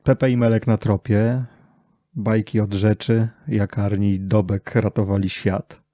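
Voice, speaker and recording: Male interviewer, lowish and soft-edged, casual conversational delivery, very dry close recording. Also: flat delivery, unhurried, dry recording. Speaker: podcast host, interviewer.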